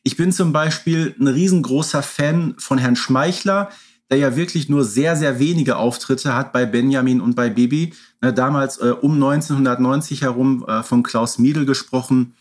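A man's voice: mid-range voice, normal speed. A man co-hosting a podcast, giving his opinions emphatically in a conversational style. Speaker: podcast co-host.

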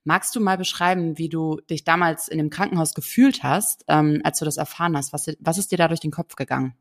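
A woman's voice: sits low, a little fast. A woman hosting a German podcast interview, chatty with frequent fillers. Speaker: podcast host.

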